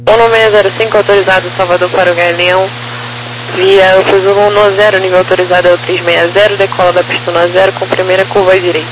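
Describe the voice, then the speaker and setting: A man's voice: high-pitched, little pitch movement, fast. A Brazilian man working as an air traffic controller, giving clipped, procedural instructions over an aviation radio. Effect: aviation radio transmission. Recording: very noisy, humming aviation radio channel.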